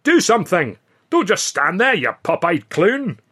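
A man's voice: high voice, sing-song, unhurried, a bit bright, husky, pitched above the performer's own voice, full character voice. A man voicing a cocky, bossy little Scottish film comedian in an audiobook. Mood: taunting, shouting. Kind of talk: audiobook character voice.

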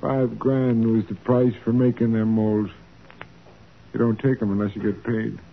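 Gravelly, stubborn small-time crook. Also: male voice, fairly low pitch, flat delivery, unhurried, a little hiss or hum. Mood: stubborn, uneasy. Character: gravelly male crooked craftsman, stubborn, demanding payment. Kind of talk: 1940s radio acting. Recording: tinny 1940s radio recording.

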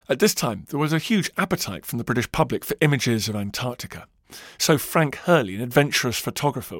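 A man narrating a historical documentary in a measured storytelling way that slows for emphasis. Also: medium pitch, fairly bright tone, dry recording, clean studio sound.

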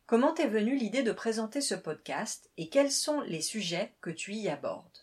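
Woman, interviewer, explanatory, lively pitch, breathy voice. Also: normal speed. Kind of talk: introduction and interview question.

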